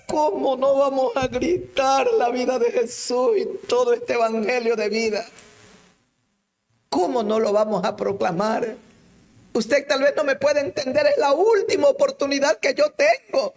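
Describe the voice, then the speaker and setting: A woman preaching with a high, bright-sounding pitch and an unhurried, drawn-out delivery. Her sermon is fervent, swelling into near-shouts and tearful cries as she presses each phrase. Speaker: evangelist. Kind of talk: impassioned radio sermon.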